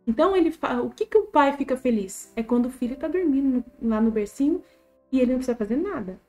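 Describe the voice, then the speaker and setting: A woman with a Brazilian Portuguese accent giving an informal religious lesson, lively and repetitive, acting out small scenes as she explains. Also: sits high, quick pace, soft background music. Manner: animated, repetitive, acts out little quoted scenes. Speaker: Catholic study group teacher.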